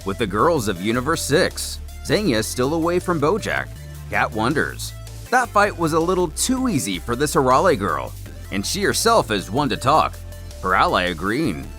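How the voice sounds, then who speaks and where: A man's voice: mid-range voice, wildly swooping pitch, normal speed, pushed and bright, soft background music. A man narrating a scripted story recap in a theatrical, wordy storytelling manner. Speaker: narrator of a comic recap series.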